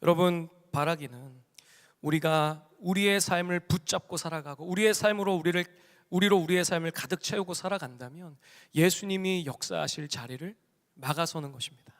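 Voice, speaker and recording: A man's voice: on the high side, moderate pace. A male pastor telling a story in a sermon, addressing the congregation in a church sanctuary. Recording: long church hall reverb.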